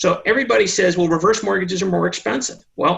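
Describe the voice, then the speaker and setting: Vocal fry colors a man's voice as he speaks at a very fast pace. His intonation is lively. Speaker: reverse mortgage loan specialist. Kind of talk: training presentation.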